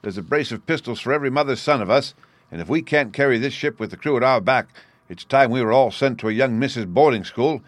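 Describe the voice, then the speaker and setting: A man voicing a tall, swaggering young male convict who boasts loudly and laughs at his own schemes. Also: medium pitch, fast talker, dry recording, lightly acted. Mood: scheming.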